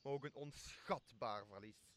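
A man's voice: medium pitch, moderate pace, fairly bright tone, lightly acted. A man acting a self-important, threatening drunkard who would be king in a Shakespeare radio play. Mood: indignant, threatening.

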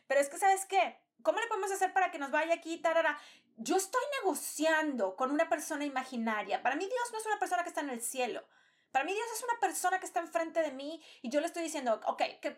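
High-voiced woman podcast host. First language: not Spanish. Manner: emphatic, rhetorical questions, repeats phrases. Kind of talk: motivational talk.

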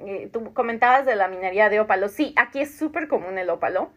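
A Mexican woman in her thirties talks quickly in a mid-range, slightly bright voice with lively intonation. As host of a laid-back podcast, she reads comments from listeners out loud, responds to each, and laughs a lot.

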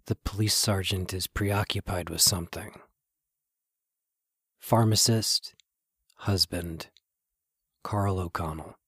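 A man performing as a wry, measured storyteller, giving literary narration of small-town lives in an audio drama podcast. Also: low-pitched, steady tone, a bit bright, husky, studio quality, exaggerated voice. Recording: roomy, faint music behind.

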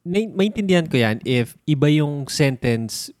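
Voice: medium pitch, animated, a little slow, a little mellow, no echo. A co-host explaining ideas patiently in a casual chat, mixing Tagalog with English.

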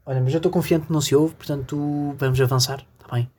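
Podcast host: husky, rambling, jokey solo bit aimed at the listeners. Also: medium pitch, fairly even intonation, fast, darkish tone. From northern Portugal. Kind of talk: solo comedic podcast monologue.

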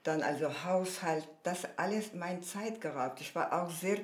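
A woman, a podcast guest speaking lively German with grammar. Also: lowish voice, measured pace, roomy sound. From Georgia. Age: 80s. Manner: lively, non-native grammar, upbeat and proud. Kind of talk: casual interview chat.

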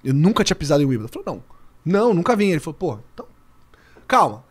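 A Brazilian man in his thirties, a sports journalist guest on a podcast, telling stories in a lively, casual way and swearing freely. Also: a little high, very fast. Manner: lively storyteller, swears casually, acts out dialogue.

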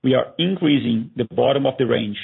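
A man with a gravelly, husky voice formally reading a scripted earnings presentation as a finance executive over a narrow conference phone line. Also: mid-range voice, fairly quick. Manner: formal, reading from prepared remarks.

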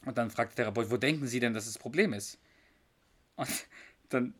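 A man co-hosting a podcast, chatting casually and retelling scenes at length, quoting characters and pausing to hunt for words. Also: medium pitch. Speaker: podcast co-host. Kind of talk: casual chat retelling a sitcom episode.

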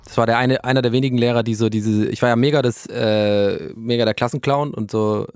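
Fast-talking man with a gravelly voice. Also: medium pitch, fairly even intonation, darkish tone, no echo. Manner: rambling, many restarts and fillers, joking. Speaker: podcast co-host. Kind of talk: casual chat.

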